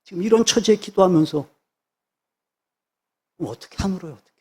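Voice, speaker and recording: A man's voice: sits high, lively intonation, a little fast, a little mellow, slightly rough. A man, a pastor, preaching a sermon with emphatic repetition of phrases. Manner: emphatic, repeats phrases for stress.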